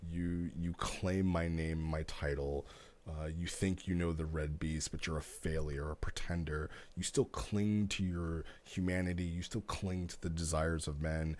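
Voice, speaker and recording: A man voicing an ancient evil devourer in a roleplay, commanding and contemptuous, with slow, menacing declamation. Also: deep voice, steady tone, a little mellow. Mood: contemptuous menace.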